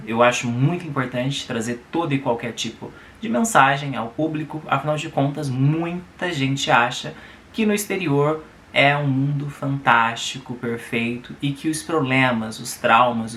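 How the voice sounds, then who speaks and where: A Brazilian man speaks with a Brazilian Portuguese accent, his voice bright and forward. He talks casually to his viewers and often adds little tag questions. The room around him echoes, and there is a faint hiss underneath. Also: mid-range voice. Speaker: YouTube host. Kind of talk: reading and commenting on a viewer's letter.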